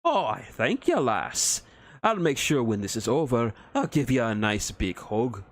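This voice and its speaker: A man voicing a gruff, bickering male dwarf with a rough, whiskey-soaked Irish-Scottish brogue. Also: mid-range voice, sing-song, a little slow. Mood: boisterous. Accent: Irish-Scottish put-on brogue. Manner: boisterous, bickering.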